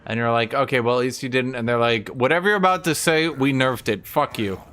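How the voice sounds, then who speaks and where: A man's voice: medium pitch, fairly quick, fairly bright tone. A man giving casual, blunt and sweary live commentary on a strategy game as he streams to chat.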